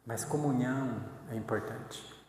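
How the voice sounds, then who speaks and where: A man's voice: mid-range voice, unhurried, darkish tone. A man preaches in an easy, talking-to-you manner, checking in with the congregation as he goes. His voice sits in the middle range. The sound rings with long echo through a large church hall. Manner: conversational, tag questions. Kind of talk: sermon.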